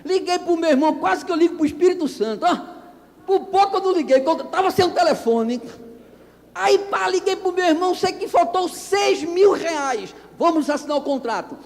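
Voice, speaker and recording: A man preaching as a pastor, telling stories and acting out the dialogue with sudden shouts. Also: very high voice, brisk. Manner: animated, acts out dialogue, bursts into shouts. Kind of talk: storytelling sermon. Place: church anniversary service. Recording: long reverb of a church hall.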